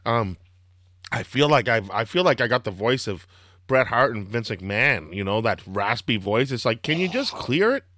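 A young man with a slightly hoarse, throaty voice, hosting a casual wrestling podcast and rambling excitedly with lots of fillers. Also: mid-range voice, normal speed, no echo, studio quality. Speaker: podcast host.

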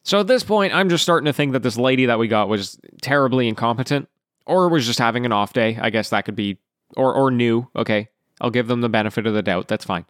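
A man hosting a gaming podcast, telling a story in a casual after-show monologue, ranting in an animated way and breaking off to apologize. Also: mid-range voice, fast talker, no echo, clean studio sound. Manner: acts out quoted exchanges in a raised voice.

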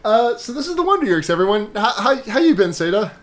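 A woman's voice: mid-range voice, very animated, fast. A woman co-hosting a podcast in casual, joking, sweary chat, with a fan running in the room. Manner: sweary, informal. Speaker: podcast co-host.

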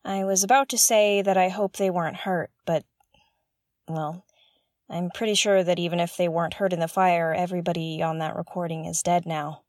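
A woman's voice: fairly low pitch, steady tone, moderate pace, darkish tone, no room sound, studio quality, lightly acted. A woman playing a nervous, curious young investigator on a derelict spaceship in an audio drama, talking hesitantly and earnestly. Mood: uneasy, thoughtful. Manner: hesitant, self-correcting, chatty and earnest. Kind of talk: audio drama, confessional log to listeners.

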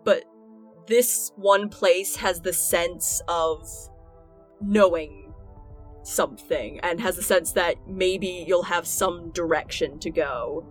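A woman's voice: fairly low pitch, takes it slowly. Female game master, playful and informal, moving between chat and narration, music underneath. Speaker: game master and podcast host.

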